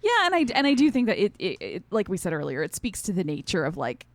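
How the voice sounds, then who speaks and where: Female podcast co-host, medium pitch, agreeable and affirming, casual review conversation, dry close sound. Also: huge pitch swings, fast talker, dry recording.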